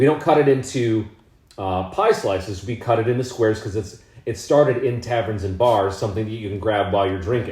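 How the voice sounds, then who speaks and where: Somewhat breathy and medium in pitch, a man speaks at a fairly quick pace with an American accent. His pitch varies in an ordinary way, and room echo is audible. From Chicago area, US Midwest. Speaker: podcast host. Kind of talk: casual chat. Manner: animated.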